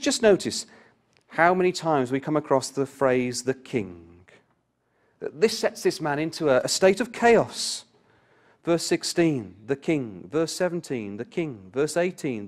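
A man giving a Bible study talk, reading scripture aloud with rising emphasis and turning to the listeners with direct questions. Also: on the high side. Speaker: Bible class speaker.

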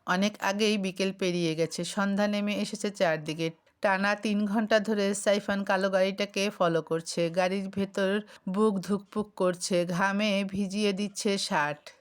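A woman's voice: mid-range voice, steady tone, moderate pace, smooth. A woman with a Bengali accent narrating a scripted romantic story in a dramatic, vivid way.

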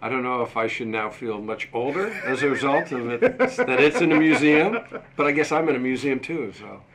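A man in his sixties answering interview questions in a measured, halting way, pausing as he goes. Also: medium pitch, animated, a loud crowd. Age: 60s. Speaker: interview guest, museum deputy director and former airport manager. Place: small indoor office set. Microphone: desktop microphone shared at a table.

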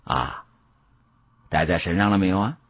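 A man's voice: low-pitched, normal speed, a bit bright, no room sound, highs cut off. A man voicing a wily middle-aged shopkeeper in an audiobook, fawning and evasive, with hesitant, oily politeness. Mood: probing, polite.

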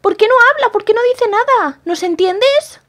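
A woman's voice: very high-pitched, lively intonation, normal speed. A woman playing a jumpy, stammering young woman. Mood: jittery, flustered. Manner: stammering, repeats words when startled. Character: jumpy young woman, easily frightened and fussy. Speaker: roleplay channel host. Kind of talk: improvised game roleplay.

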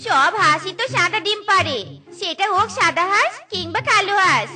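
A woman voicing a sharp-tongued, demanding young fox bride in a cartoon. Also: very high voice, expressive, normal speed, faint music behind, full character voice. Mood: commanding. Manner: scolding, imperious. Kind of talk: cartoon voice acting.

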